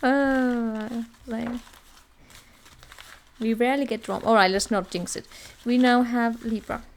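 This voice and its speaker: A woman's voice: on the high side, steady tone, a little slow, slight background noise. A woman giving a casual tarot reading in a chatty, rambling way, often checking in with the listener. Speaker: tarot reader.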